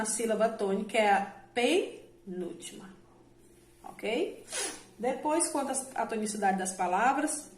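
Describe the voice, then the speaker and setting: A woman's voice: mid-range voice, echoey room. A woman teacher giving a recorded online lesson, explaining step by step with frequent "né?" check-ins and self-corrections, drawing out example words. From Brazil.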